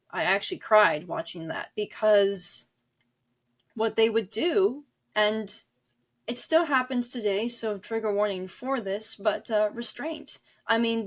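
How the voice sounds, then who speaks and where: A woman being interviewed as an author, talking conversationally and explaining earnestly, in a halting way. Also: mid-range voice. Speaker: guest author discussing their novels.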